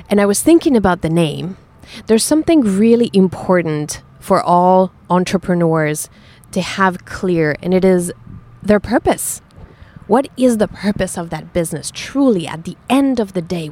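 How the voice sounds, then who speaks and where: A woman's voice: mid-range voice, mellow. A woman with a slight foreign accent, earnest and upbeat, answering as a guest in a casual interview. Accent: slight foreign accent from several languages. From Switzerland and Colombia. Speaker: guest, entrepreneur.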